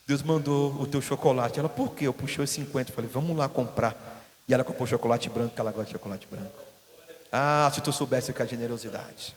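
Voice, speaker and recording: A pastor preaching in a church, his voice sitting fairly high. He tells stories and acts out the voices of the people in them. A long reverb from the hall trails every phrase. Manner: storytelling, acting out quoted voices. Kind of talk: sermon.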